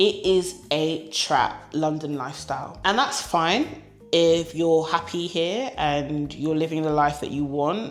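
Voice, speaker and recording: Over music in the background, a woman with a very deep, low pitch and ordinary pitch variation speaks at a fairly slow pace with hardly any pauses. Audible room echo surrounds her voice. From England. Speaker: content creator. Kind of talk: casual Q&A chat to camera. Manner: animated, conversational.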